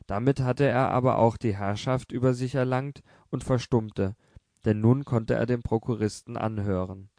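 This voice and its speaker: Guy reading a literary audiobook, steady and measured, mid pitch, dry booth sound. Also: no echo. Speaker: audiobook narrator.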